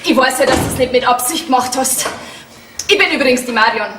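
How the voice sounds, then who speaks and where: A woman's voice: high-pitched, a little fast, lightly acted. A young woman with a Bavarian accent playing a pert, self-assured geriatric nurse in a folk theatre comedy. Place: theatre stage before an audience. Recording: echoey stage with faint noise.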